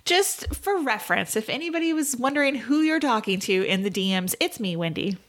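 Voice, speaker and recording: A woman's voice: fairly high pitch, animated, a little fast, a bit bright. A woman co-hosting a podcast in casual, chatty banter, often giggling as she talks. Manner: giggly, laughs readily while talking. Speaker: podcast co-host.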